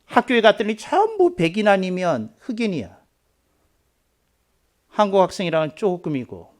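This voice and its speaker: A Korean man who is a pastor, preaching a sermon in a storytelling way that slows down for emphasis. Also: very animated. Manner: storytelling, voicing quoted people with rising pitch and force.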